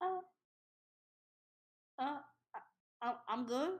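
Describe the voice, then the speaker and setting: Mumbling in a put-on character voice, a female-sounding voice sits at a high pitch. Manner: mouth full, mumbling.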